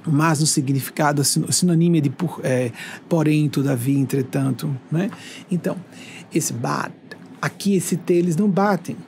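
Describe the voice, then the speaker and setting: A man's voice: a little high, a little hiss or hum. A man in his forties from northeastern Brazil, talking to his viewers in a conversational monologue and acting out quoted dialogue as he tells stories. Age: 40s. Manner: lively storytelling that acts out quoted dialogue. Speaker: spiritual speaker addressing viewers.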